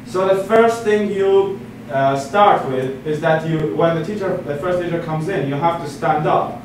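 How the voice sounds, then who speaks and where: Speaking a little slowly in a slightly high voice, a young Iraqi man in his 20s gives a public lecture as a guest speaker from a podium in a meeting room with a seated audience. His manner is earnest, marked by restarts and fillers. Picked up via a podium mic from a far camera, he sounds far off, with strong room echo and steady background hiss.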